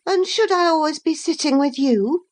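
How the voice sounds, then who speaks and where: A woman's voice: sits high, lively intonation, measured pace, a little mellow, pitched above the performer's own voice. A woman reading aloud who voices a petulant young woman, making her complaining and raised well above her own voice. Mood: peevish. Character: petulant, peevish young woman, quick to irritation.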